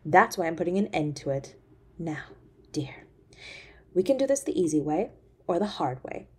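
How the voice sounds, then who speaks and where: A woman acts as an ancient succubus matriarch in an audio drama, her voice low and rough-edged. She is haughty and cruel, talking down to others with imperious mockery and menace. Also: very animated, moderate pace. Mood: cold threat. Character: haughty, cruel centuries-old succubus demon mother. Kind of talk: scripted audio roleplay acting.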